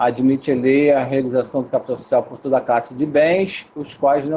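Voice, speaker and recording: An unremarkable speaking voice, moderately paced and fairly even in intonation. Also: man. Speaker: law lecturer. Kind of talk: lecture.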